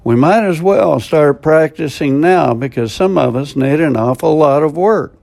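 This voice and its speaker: An older American man gives a short scripted devotional in a slow, unhurried delivery. His voice sits a little high and has a gravelly texture. He speaks plainly, with a homespun manner and dry humor aimed at himself. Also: lively intonation, darkish tone. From United States. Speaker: devotional radio host.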